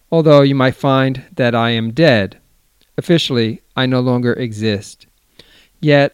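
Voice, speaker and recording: A man reading the part of a broken, secretive elderly exile with a low, hoarse voice. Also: no room sound, close to an everyday voice. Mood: grave.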